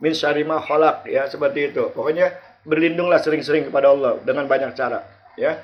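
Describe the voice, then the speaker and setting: A man's voice: on the high side, fairly even intonation, fast talker. A male religious teacher, leading an online class and explaining verses line by line. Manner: explains verses line by line, asks and answers himself. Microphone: video call. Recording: muffled video call audio.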